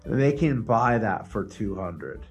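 A man's voice: lowish voice, lively intonation, slow pace, husky, faint music behind. A man co-hosting a podcast, chatting casually and telling anecdotes with some swearing. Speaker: podcast co-host.

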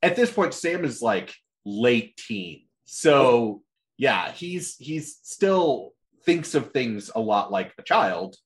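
Male podcast host, animated storyteller, very lively pitch, laughs mid-sentence. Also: slow. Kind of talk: casual comic recap chat.

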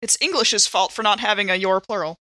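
A woman takes part in a tabletop roleplaying game, slipping between character lines and casual asides. Her voice is bright and sits at a medium pitch. The sound is close and dry. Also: a little fast, no echo. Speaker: player in a tabletop roleplaying podcast.

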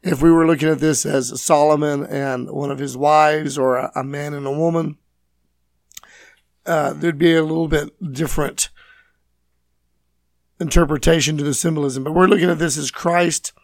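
Guy w/ scratchy hoarse voice doing bible teaching, kinda high, gravelly, super dry close sound. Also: fairly even intonation, normal speed, pauses often, no echo. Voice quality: scratchy, raspy. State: hoarse from voice loss, recovering. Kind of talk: scripture reading and teaching, sermon podcast.

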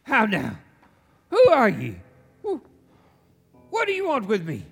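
A man's voice: sits high, huge pitch swings, slow, gravelly, exaggerated voice. A man playing a grumpy, miserly old businessman in a stage radio play, curt, scolding and theatrical. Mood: startled, suspicious. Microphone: shared stage microphone. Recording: live stage recording with music.

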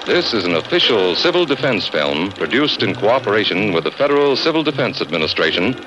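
A man's voice: fairly low pitch, very animated, fairly quick, dull audio, noisy background. An American man narrating in the manner of a grave 1950s civil defense broadcast, earnest and instructive as if addressing children. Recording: vintage film soundtrack with music behind.

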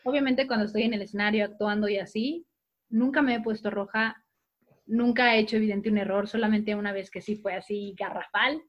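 A woman, an actress and TV host, telling stories in a lively, animated way during a casual remote conversation. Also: mid-range voice, fairly quick, highs cut off. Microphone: video call.

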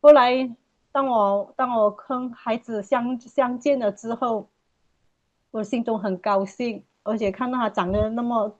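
A middle-aged woman from Malaysia telling her personal testimony as a mother, earnest and repetitive, ending phrases with soft particles. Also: on the high side, fairly even intonation, unhurried, muffled recording.

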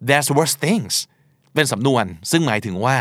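A man's voice: mid-range voice, lively intonation, quick pace, fairly bright tone, no echo, clean studio sound. A man hosting a talk show about English usage, talking in a casual, slangy, explanatory way with emphatic asides. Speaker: podcast host teaching English.

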